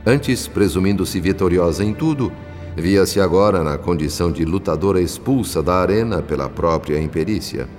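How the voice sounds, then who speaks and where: A grave Brazilian male narrator of a radio drama. His deep voice carries a long reverb over faint music. The delivery is formal, literary and solemn. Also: animated, moderate pace, darkish tone.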